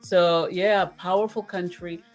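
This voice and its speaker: A woman's voice: on the low side, a little slow, faint music behind. Laughing woman from the Dominican Republic. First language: Spanish. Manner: animated, laughs often, earnest. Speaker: podcast guest. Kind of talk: casual interview conversation.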